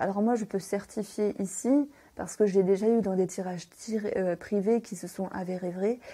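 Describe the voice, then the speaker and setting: Speaking with a northern French accent, a woman uses a dark, mellow tone at medium pitch, keeping her intonation fairly even at a moderate pace. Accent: northern French (ch'ti). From northern France. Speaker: tarot reader. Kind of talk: tarot reading, horoscope. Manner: casual, with hesitations.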